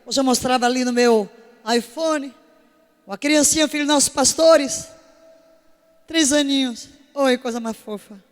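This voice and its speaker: A woman's voice: high voice, measured pace, in a large hall. A woman preaching a sermon to her congregation in an emphatic way, full of rhetorical questions. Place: church service.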